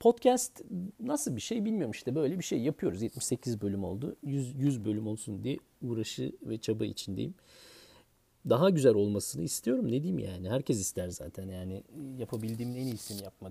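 Lively intonation rides on a dark, mellow tone that is somewhat breathy, delivered at a moderate pace. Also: man, medium pitch for a man. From Turkey, Ankara. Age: 40s. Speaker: podcast host. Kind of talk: solo podcast monologue. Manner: hesitant, many filler sounds.

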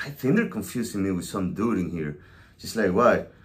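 A man speaks in a Venezuelan accent. Audible room echo surrounds his voice. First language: Spanish. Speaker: realtor and podcast co-host. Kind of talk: casual chat.

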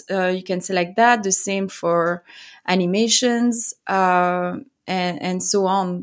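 In a French accent, the speaker talks at a very slow pace on a very clean recording with a silent background. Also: woman, medium pitch for a woman. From French-speaking Switzerland. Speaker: voice actor. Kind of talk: interview. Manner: animated.

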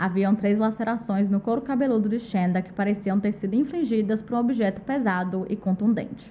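This woman has a fairly high pitch and a dark, mellow tone. Her intonation stays fairly even, and her voice is somewhat breathy. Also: fairly quick pace, hardly any pauses. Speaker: true crime podcast host. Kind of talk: scripted narration.

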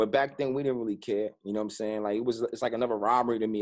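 A man with a New York accent. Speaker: peace advocate and author. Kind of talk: interview.

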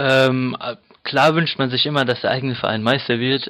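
Speaking with fairly even intonation at a medium pitch, this man has a plain, everyday voice. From southern Hesse, Germany (near Darmstadt). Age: 20s. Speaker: football fan club member. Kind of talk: casual interview.

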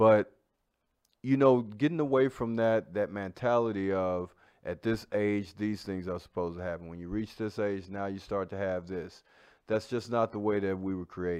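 Against a quiet background, a man with an American accent speaks in a plain, everyday voice at a fairly low pitch, with ordinary pitch variation and a moderate pace. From US, small town. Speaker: chiropractor; war veteran. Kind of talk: casual interview.

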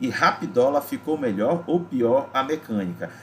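Very wide pitch swings mark a man's voice, which sits fairly high. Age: 20s. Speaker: RPG streamer and host. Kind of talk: casual panel discussion.

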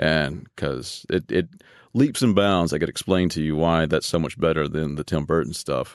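A man's very deep, low voice with a Texan accent. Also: ordinary pitch variation, moderate pace. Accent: Texan Southern US. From East Texas, US. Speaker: filmmaker and voice actor. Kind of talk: casual chat.

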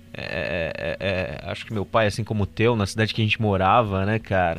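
A plain, everyday voice: a man with a fairly low pitch, a fairly slow pace, and a quiet background. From São Paulo state, Brazil (Taubaté). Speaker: videographer. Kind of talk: casual chat.

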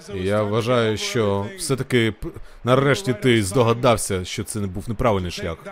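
Noticeable background noise runs under the voice. The pace is fairly slow, with ordinary pitch variation. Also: man, medium pitch for a man. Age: 20s. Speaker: wrestling podcast host. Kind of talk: casual live watch-along commentary. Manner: animated.

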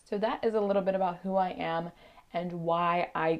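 An ordinary speaking voice comes at a moderate pace. The intonation is fairly even. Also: woman. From Houston, Texas. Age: 20s. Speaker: podcast host, college student. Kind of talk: solo monologue podcast. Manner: casual, conversational.

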